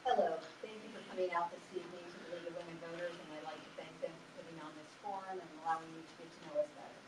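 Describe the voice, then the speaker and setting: A woman's voice: on the low side, little pitch movement, rapid-fire. Friendly middle-aged woman at a distant mic. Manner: friendly and lightly joking, then businesslike. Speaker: council candidate. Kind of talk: prepared opening statement. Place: public meeting hall. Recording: echoey hall, distant mic, background noise.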